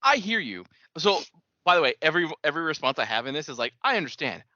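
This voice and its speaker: Male podcast co-host, casual, forceful bright tone with animated intonation, slightly dull recording. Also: on the high side, fast talker, no room sound. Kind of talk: casual chat.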